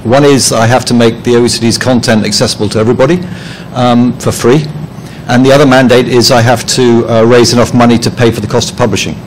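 A man giving a conference presentation in a meeting room, his pitch sitting in an ordinary middle range. He talks haltingly, full of ums and false starts, and lightens it with dry, self-mocking asides. A faint hiss runs under his voice. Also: low-quality recording. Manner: hesitant, with many ums and restarts; dry, self-deprecating humor. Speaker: conference presenter, head of publishing.

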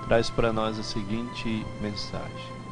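A man in his thirties with a Brazilian Portuguese accent, a priest giving a daily gospel reflection in a small TV studio on a headset mic, speaking earnestly with frequent pauses and restarts. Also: lowish voice, flat delivery, music in the background. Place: small TV studio with cross backdrop.

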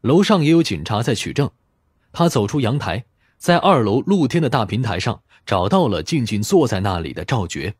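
A man's voice: mid-range voice, sing-song, moderate pace, husky, dry recording, studio quality. A man narrating a scripted crime audiobook. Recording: music playing behind the voice. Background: background music.

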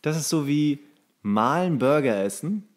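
A man's voice: a little high, expressive, moderate pace. A man telling anecdotes in casual, comedic podcast chat, rambling, correcting himself and acting out remarks. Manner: rambling, self-correcting, acts out quoted remarks. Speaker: podcast co-host.

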